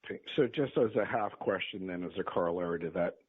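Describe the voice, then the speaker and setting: A man's voice: low-pitched, fast talker, slightly rough, dry recording. A man calling in as an analyst, putting formal, wordy questions on an earnings call. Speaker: analyst caller. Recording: narrow tinny phone line.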